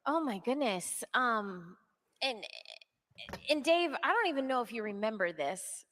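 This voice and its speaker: A woman voice actor on a live panel, telling an animated, self-deprecating story about her audition. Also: on the high side, unhurried, slight background noise.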